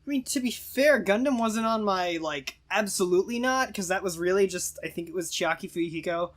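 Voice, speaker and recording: A woman's voice: mid-range voice, a little fast. A woman giving casual game commentary as she plays, talking in a slangy, offhand way. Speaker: gamer reacting to a game. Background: game music.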